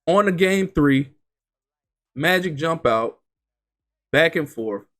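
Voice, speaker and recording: A man's voice: a little high, takes it slowly. Congested man calling game stats. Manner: reels off stats, chatty and excitable. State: congested, getting over an illness. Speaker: gaming channel host. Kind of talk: casual commentary over a basketball video game simulation.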